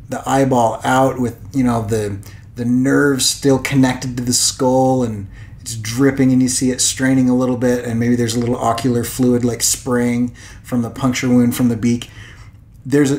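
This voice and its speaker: A man in his late thirties talking casually as a vlog host, thinking aloud in a rambling way with hesitant pauses and repeated words. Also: mid-range voice, a little mellow. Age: late 30s. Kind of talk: casual unscripted vlog musing.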